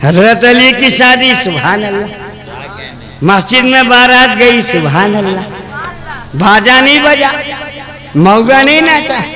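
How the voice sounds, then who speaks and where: A Muslim preacher giving a fiery sermon, shouting, mocking and firing rhetorical questions at his listeners. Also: extremely high pitch, lively intonation, slow, long pauses. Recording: crowd audible behind the speaker.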